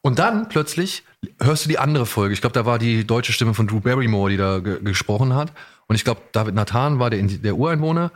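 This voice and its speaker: A man's voice: medium pitch, animated, a little fast. A man hosting a podcast in casual chat, speaking enthusiastically in a rambling way and often correcting himself. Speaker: podcast host. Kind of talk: casual podcast chat about audio dramas.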